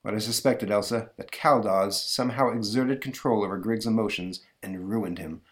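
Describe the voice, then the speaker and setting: A man's voice: lowish voice, moderate pace, natural voice. A man voicing a resolute, confident superhero from a comic book, speaking in an earnest, declamatory way.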